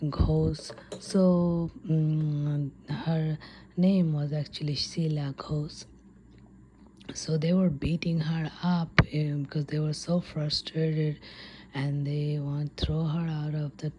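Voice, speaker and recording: A woman telling a story ASMR-style, mostly in a breathy whisper, hushed and halting with frequent pauses. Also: low voice, a little hiss or hum.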